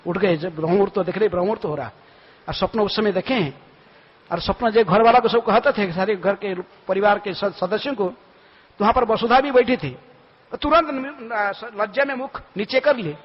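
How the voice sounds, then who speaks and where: High-voiced man telling a devotional story. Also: husky. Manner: rhetorical questions answered himself. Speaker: monk lecturer. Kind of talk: Hindi devotional storytelling lecture. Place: temple hall. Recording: lo-fi recording with long hall reverb.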